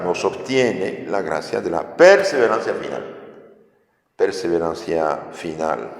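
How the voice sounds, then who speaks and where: A priest teaching catechism with a French accent, preaching in a lively way and asking his listeners questions. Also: fairly low pitch. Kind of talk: catechism sermon. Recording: echoey hall.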